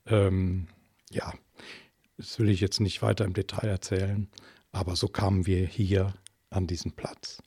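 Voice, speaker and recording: A man's voice: low-pitched, flat delivery, measured pace, mellow, slightly rough, no echo, studio quality. An older man from the Eifel region, answering interview questions reflectively and hesitantly, with many fillers and restarts. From Germany, Eifel region. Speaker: interview guest, social worker.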